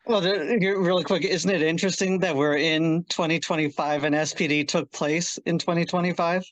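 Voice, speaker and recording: A man with a Chicago accent chimes in as co-host with a notably high voice. He is chatty and quick to laugh, and his sound is close and dry. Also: steady tone, no echo. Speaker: podcast co-host. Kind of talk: casual interview chat.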